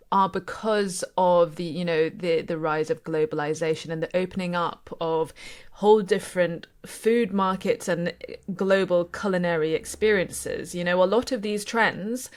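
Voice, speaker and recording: A woman from Indonesia and Singapore, a panelist on a news podcast, talking in a thoughtful, hesitant way with many restarts. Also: lowish voice. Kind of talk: casual chat.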